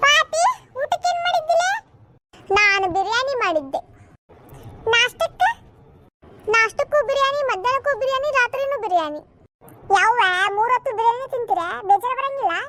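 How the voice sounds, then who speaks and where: A woman's cartoonish character voice with an extremely high pitch, lively intonation and very even loudness. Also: moderate pace. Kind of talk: cartoon comedy dubbing.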